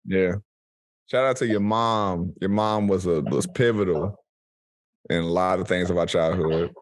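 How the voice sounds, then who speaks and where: A man hosting a podcast, telling a story in a relaxed, casual way. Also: low-pitched, dry recording. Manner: relaxed storytelling, drawn-out delivery. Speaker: podcast host. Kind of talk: casual chat.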